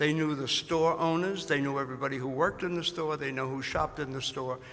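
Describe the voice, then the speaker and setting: At a fairly quick pace, a man talks with a slight Brooklyn accent. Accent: slight Brooklyn New York. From New York, Brooklyn. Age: 80s+. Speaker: mayor. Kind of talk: panel discussion. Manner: halting, many restarts.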